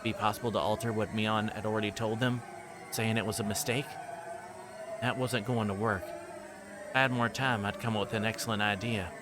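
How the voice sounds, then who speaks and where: A man's voice: on the low side, normal speed. A man streaming a visual novel, reading the story aloud live and sometimes stumbling over a line and correcting himself. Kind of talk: live read-aloud of a story game, with asides. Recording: steady noise behind the voice.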